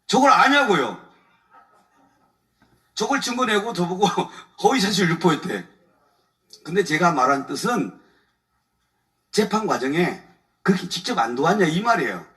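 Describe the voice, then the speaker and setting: Bright, lively man speaking far off-mic. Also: high-pitched, moderate pace, pauses often. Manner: colloquial, chuckles often, aggrieved storytelling. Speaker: lawyer giving testimony at a church meeting. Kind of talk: animated testimony talk. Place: church evening service before a congregation.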